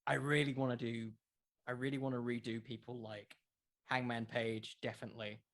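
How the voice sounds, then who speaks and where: A man's voice: mid-range voice, flat delivery, moderate pace, fairly bright tone. A man chatting casually as an interview guest, informally thinking aloud as he answers. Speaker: podcast creator being interviewed.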